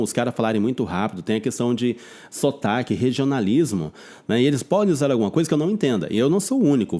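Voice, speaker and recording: Brazilian teacher, middle-aged man, mellow dark voice, chatty casual lesson delivery. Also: medium pitch. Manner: chatty, loose, drawn-out English examples. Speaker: English teacher.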